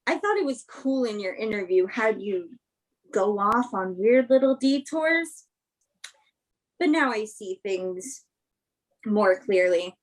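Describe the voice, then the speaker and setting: A woman's voice: medium pitch, rough recording. A woman acting a bitter, guarded young woman, confrontational and sarcastic, in a staged play reading. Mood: scornful, bitter.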